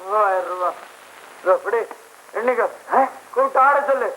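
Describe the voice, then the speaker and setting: Film role: a swaggering big spender, bossy, very high and bright voice, faint music behind. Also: male voice, normal speed, a little hiss or hum, rough recording. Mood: insistent. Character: reckless, boastful man spending freely at a dance club.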